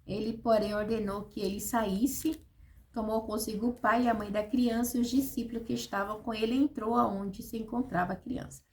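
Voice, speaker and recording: A woman preaching a sermon in a lively way, acting out the scenes she tells. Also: on the high side, moderate pace, a little hiss or hum. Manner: animated, acts out the scenes in voices.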